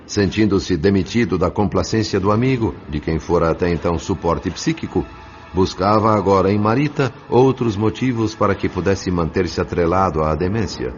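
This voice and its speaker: A man playing a compassionate, grave spirit guide, narrating a Brazilian radio drama in a solemn, formal manner. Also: sits low. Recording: slightly muffled, music underneath.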